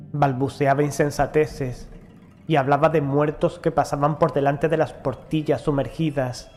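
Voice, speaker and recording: A man reading a first-person horror story as an audiobook narrator, in a measured, formal storytelling delivery. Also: on the high side, darkish tone. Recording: music behind the voice. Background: background music.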